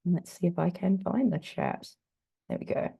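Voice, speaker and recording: A woman from New Zealand with a husky, croaky voice, still getting over an illness, presenting an online workshop in a chatty, self-deprecating way with plenty of fillers. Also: on the low side, moderate pace, mellow, muffled recording. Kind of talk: casual online workshop talk. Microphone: video call.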